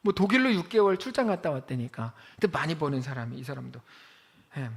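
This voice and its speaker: A man preaching in church, his voice sitting a little high for a man and swinging widely in pitch as he tells the story. He acts out the quoted lines and exclaims in disbelief. It is a pastor's sermon delivered with lively storytelling. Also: fast talker, creaky, slightly rough.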